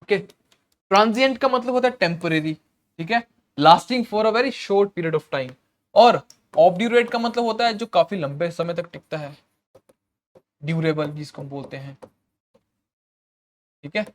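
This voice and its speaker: A man teaching exam vocabulary in a Hindi-English mix, explaining slowly, repeating words and checking in with "okay" as he goes. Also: high voice. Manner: clears throat often.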